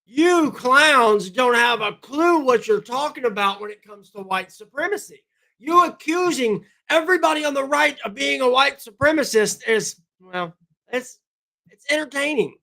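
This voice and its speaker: Man host, high and bright, blunt and combative, voice wearing out. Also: lively intonation, normal speed, gravelly, poor audio. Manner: blunt, combative, talks straight to chat. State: losing his voice, clears throat. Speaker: livestream host. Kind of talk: political commentary livestream.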